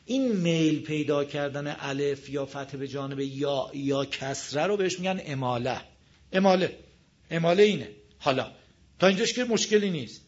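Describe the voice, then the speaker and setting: A man with a fairly high voice teaches a recitation class, going over each rule again and again and sounding out the examples himself. The recording is dull and lo-fi, as if captured in a classroom. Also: lively intonation. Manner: patient, repeats rules, models pronunciations. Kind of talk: live class lecture on tajweed. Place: classroom with a board.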